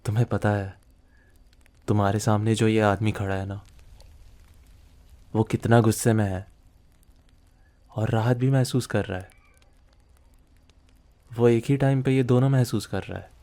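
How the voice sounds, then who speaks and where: A possessive mafia boss acted by a man speaks intimately in a low, dark, relaxed male voice. He is controlling and teasing, with a quiet threat under his words, in the close style of an ASMR roleplay. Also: a little slow, long pauses. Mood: stern warning.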